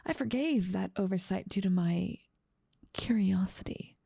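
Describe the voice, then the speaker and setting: A woman's voice: medium pitch, unhurried, vocal fry, warm tone, slightly rough, no echo, clean studio sound, full character voice. A woman playing a haughty, dominant demon lord who mocks and teases the listener in a scripted ASMR roleplay. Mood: imperious. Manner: dominant, amused, mocking, theatrical. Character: haughty, teasing female demon lord ruling part of hell.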